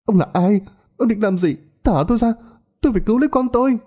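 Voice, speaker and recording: Man voicing a young mother, high-pitched, wailing, pleading, tearful. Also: sing-song, brisk, dark tone. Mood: frantic wailing.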